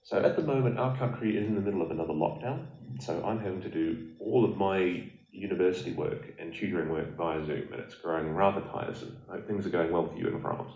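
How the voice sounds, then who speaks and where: A university student man from New Zealand, reading a measured, slightly formal voice message. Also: sits low, a little mellow. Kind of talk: read-out voice message. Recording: dull roomy voice message.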